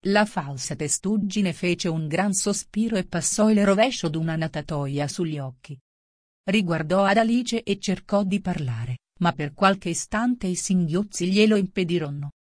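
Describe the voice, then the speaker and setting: Woman narrator, storybook reading, measured, lowish pitch, dry close sound. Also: expressive, no room sound. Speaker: audiobook narrator.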